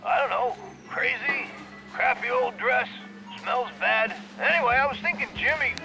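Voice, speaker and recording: A man's voice: extremely high pitch, lively intonation, moderate pace, vocal fry, sharp tone, soft background music, heavily acted, poor audio. An actor playing a carefree, party-loving young guy chatting on the phone in breezy slang in an audio drama. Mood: amused, excited.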